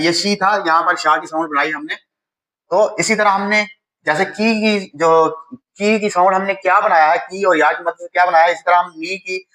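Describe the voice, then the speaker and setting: A man's voice: high voice, pushed and bright, poor audio. A man with a Pakistani Urdu accent, teaching a Japanese writing lesson at a whiteboard, patient and step by step.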